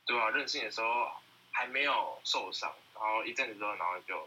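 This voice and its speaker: A man's voice: fairly low pitch, fast talker, crowd noise, poor audio. A young man, a guest giving modest short answers with dry humour in a casual chat. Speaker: guest, former student.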